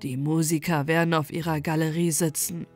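A lovesick young man as a woman storyteller gives him voice, pitched a touch low and lamenting his lost chance with heartfelt sorrow. Faint music hums beneath. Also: level tone, brisk. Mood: lovelorn.

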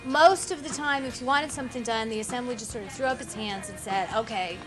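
A middle-aged woman gives a casual interview in a fairly high voice. Music plays clearly behind her. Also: fast, rough recording. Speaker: community member. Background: background music.

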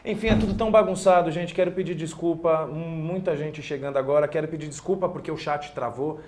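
A man's voice: a little high, a little fast, a little mellow. A young man from Bahia hosting a casual live web TV interview, chatty and agreeable, in a TV studio on a lapel mic. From Bahia, Brazil. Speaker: talk show host. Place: TV studio with red armchairs.

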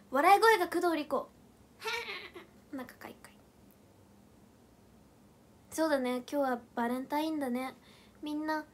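A young woman hosting a casual livestream. She reads viewer comments aloud, reacts with quick playful questions, counts things off aloud and thanks her viewers one by one by name. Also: high-pitched. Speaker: idol group member hosting a livestream.

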